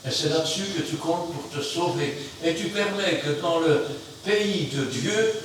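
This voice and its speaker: A man preaching an emphatic sermon, swinging between loud outbursts and quiet asides. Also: a little high, measured pace. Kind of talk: fiery sermon. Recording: very echoey room, mic far off, faint noise.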